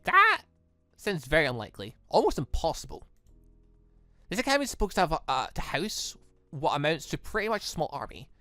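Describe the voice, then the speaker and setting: A man's voice: on the high side, huge pitch swings, brisk, bright, forceful tone, no echo, soft background music, full character voice. A man voicing a sceptical, mildly exasperated newcomer student in a visual novel. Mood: doubtful. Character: sceptical, questioning newcomer student being shown around. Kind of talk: visual novel dialogue read aloud.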